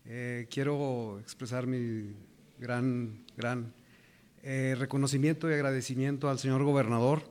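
A man, an athlete giving a formal, courteous and halting thank-you speech at a press conference. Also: medium pitch, steady tone, darkish tone.

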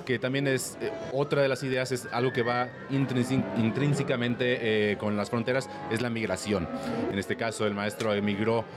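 A man, a conductor, explains his programming in a thoughtful, hesitant way, full of pauses. His pitch is middling and ordinary. Clear orchestral music sounds in the background. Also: flat delivery. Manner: thoughtful, hesitant with many fillers. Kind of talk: interview answers.

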